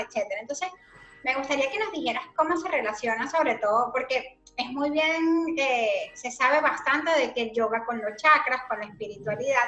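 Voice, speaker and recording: A woman's voice: sits high, sharp tone. A woman interviewer asking long, thoughtful questions about yoga and emotions. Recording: roomy echo.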